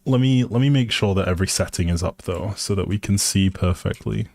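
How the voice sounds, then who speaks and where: A man with a fairly low voice, recorded dry and close. He chats casually as a livestream host, with playful, teasing banter aimed at his viewers. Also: a little fast, vocal fry, darkish tone, no echo.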